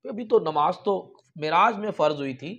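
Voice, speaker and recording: A man's voice: a little high, lively intonation, normal speed, a bit bright, dull audio. A man preaching a sermon, telling religious stories with emphatic raised peaks. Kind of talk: storytelling sermon.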